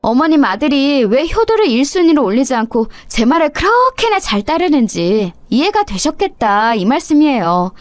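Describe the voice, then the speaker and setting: A woman's voice: high-pitched, no echo. A woman voicing a young, insolent daughter-in-law who talks back with sarcastic, mock-polite cruelty, for a radio story drama. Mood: sneering.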